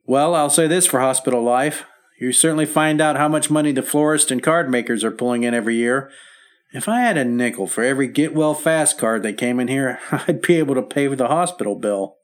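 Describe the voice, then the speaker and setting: An actor playing a husband laid up in hospital, joking wryly and faltering now and then, in a 1950s radio play. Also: male voice, medium pitch, lightly acted. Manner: wry, joking, halting when upset. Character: recovering husband, wry and stubborn. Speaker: hospital patient.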